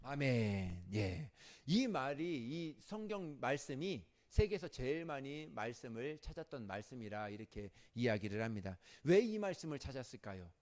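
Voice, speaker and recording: A man preaching a sermon as a pastor, animated, turning from loud scolding to soft asides and asking the congregation questions. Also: medium pitch, normal speed, hardly any pauses. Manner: asks the congregation questions and jokes with them.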